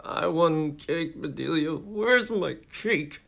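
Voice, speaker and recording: A man voicing a petulant old man in a wheelchair who slowly drawls and shouts his demands. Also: fairly high pitch, lively intonation, vocal fry, exaggerated voice. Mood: whining. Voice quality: whiny, shouting. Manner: slow, drawn-out demands. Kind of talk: dramatic story reading.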